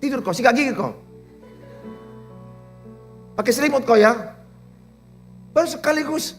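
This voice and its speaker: A man's voice: extremely high pitch, lively intonation, a little slow, faint music behind, full character voice. A man, a preacher, acting out a bossy, possessive young girlfriend who nags her boyfriend with repeated orders. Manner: nagging, repeating commands.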